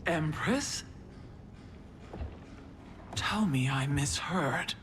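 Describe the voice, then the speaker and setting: A slow, earnest warrior queen. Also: low-pitched, slight background noise, full character voice. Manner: steady, earnest, deliberate. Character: proud loyal warrior queen of four-armed race. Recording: game cutscene with loud score.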